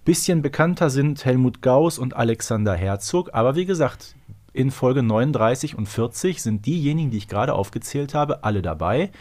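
A man's voice: medium pitch, lively intonation, brisk, a little mellow. A man co-hosting a casual podcast discussion, explaining things in detail in a conversational way. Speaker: podcast co-host.

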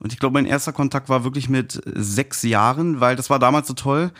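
A man's voice: medium pitch, brisk, fairly bright tone. A man of forty telling personal stories casually as a guest on a podcast. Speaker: podcast guest, fan of audio plays.

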